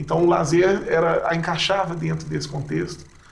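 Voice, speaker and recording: A man with a high-pitched voice talks at a moderate pace over noticeable background noise, with audible room echo. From Brazil, Belo Horizonte (Minas Gerais). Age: 40s. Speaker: physical education teacher and facilitator. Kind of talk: interview. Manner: hesitant, many repetitions and fillers.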